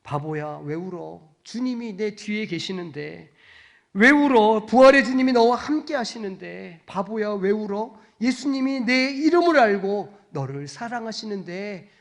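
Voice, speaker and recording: A man quoting Jesus in a lowered, gentle, consoling voice during a sermon. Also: expressive, unhurried, gravelly, heavily acted. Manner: soft and lowered, tenderly consoling. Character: Jesus, gentle, tender man comforting the grieving.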